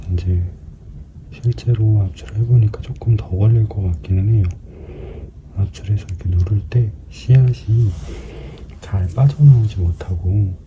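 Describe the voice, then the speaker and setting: A man giving a casual explanatory commentary as a skin care practitioner at work, hesitant at times and now and then dropping to a soft murmur. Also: sits low. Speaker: skin clinic practitioner narrating an extraction procedure. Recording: clearly noisy room recording.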